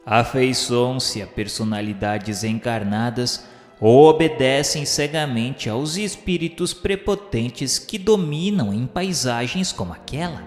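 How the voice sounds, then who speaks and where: A man playing an earnest spirit pupil in a radio drama, narrating a dark journey in solemn, formal, deliberate phrases. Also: mid-range voice, lightly acted. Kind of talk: radio drama, literary first-person narration. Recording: echoey long reverb with music behind.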